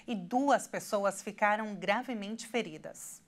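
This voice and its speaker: A woman's voice: medium pitch, a little slow. A Brazilian woman in her thirties presenting scripted TV news as an anchor in a studio.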